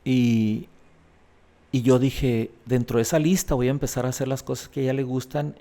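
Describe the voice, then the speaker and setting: A man's voice: medium pitch, flat delivery, normal speed, mellow. A man earnestly recounting a personal testimony in an interview, acting out the voices of the people he quotes. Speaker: guest telling his life story.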